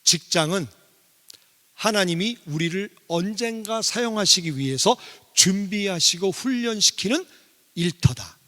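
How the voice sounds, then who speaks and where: A middle-aged man giving a sermon testimony as a guest revival speaker. He speaks in an animated way and poses questions to the congregation. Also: high-pitched. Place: church sanctuary. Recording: long reverb of a church hall.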